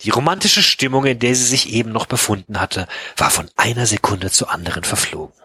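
A man with a bright, forward and slightly husky voice co-hosts a casual podcast, reading a story aloud and dropping dry asides. The sound is close and dry, with no room around it. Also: mid-range voice, expressive, fairly quick, no echo.

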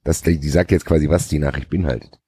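A man's voice: rumbling low, steady tone, quick pace, warm tone, husky, no room sound, studio quality. A man reading a crime novel aloud on a podcast, stumbling over words and laughing at the text. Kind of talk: casual reading with jokey asides.

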